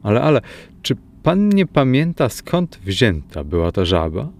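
A man's voice: mid-range voice, very animated, a little slow, a little mellow. A man doing an upset young shopkeeper woman. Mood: puzzled. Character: young woman, shop-owning sister, upset.

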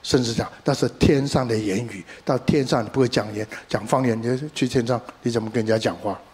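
Animated male pastor preaching. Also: mid-range voice, fairly quick. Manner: code-switches with English words, animated emphasis, storytelling asides. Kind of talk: sermon.

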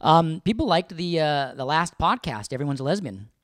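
A man co-hosting a podcast, talking casually and animatedly with a fairly high register, swearing and laughing often. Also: lively intonation, moderate pace, a bit bright, dry recording, studio quality. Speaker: podcast co-host. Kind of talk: casual chat.

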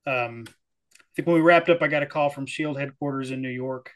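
A man's voice: medium pitch, steady tone. Guy from around texas recapping his game, stops and starts a lot, plain middle voice. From Texas or Oklahoma area. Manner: hesitant, halting, with repeated words. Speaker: player. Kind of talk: casual chat recapping a tabletop game.

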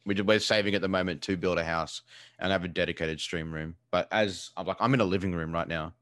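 Casting: male Australian streamer, deep voice, casual and blunt with loose swearing, recorded dry indoors. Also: steady tone, quick pace, fairly bright tone, no echo. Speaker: live streamer, interview guest. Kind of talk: casual chat. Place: living room.

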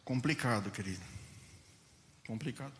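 A man preaching a sermon as a pastor, speaking mildly and deliberately, often calling his congregation "dear ones". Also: medium pitch, slight background noise. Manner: slow, gentle delivery addressing listeners as "queridos".

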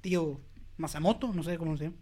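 A man, a podcast host telling a story in casual chat, animated and slangy, acting out quotes and sound effects. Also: fairly high pitch, fast talker.

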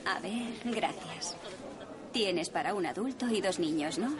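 An actress dubbing a cheerful, chatty food bank volunteer who talks in a friendly, helpful way. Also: female voice, lowish voice, measured pace, crowd noise, natural voice.

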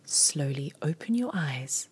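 A woman leading a scripted guided body scan meditation in a breathy near-whisper, giving soothing, unhurried instructions in short phrases. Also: deep voice, lively intonation.

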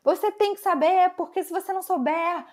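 A woman voicing a rude, impatient female subway attendant who keeps shouting. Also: very high voice, brisk, pitched above the performer's own voice. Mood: shouting impatiently. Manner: yelling, impatient, insistent.

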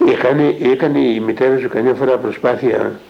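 A man's voice: medium pitch, gravelly. An older man, an elder monk, retelling a conversation in a spiritual talk and tagging each line with "I say" and "he says". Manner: recounts dialogue, with constant "I say, he says" tags. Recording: dull lo-fi radio broadcast recording.

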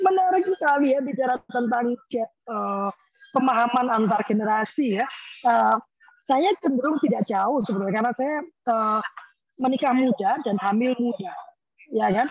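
A woman's voice: on the high side, normal speed, dry recording. A woman hosting a casual conversation, asking questions with hesitant fillers. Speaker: host. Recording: dull, lo-fi audio.

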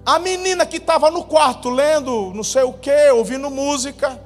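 A male pastor preaching a sermon, telling a testimony dramatically, his voice swinging between loud bursts and hushed moments. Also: very high voice, moderate pace. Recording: reverberant hall with faint music.

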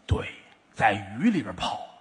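A man performing crosstalk comedy, telling a teasing story in a sly way. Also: a little slow. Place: theater stage before a live audience. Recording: reverberant live theater sound.

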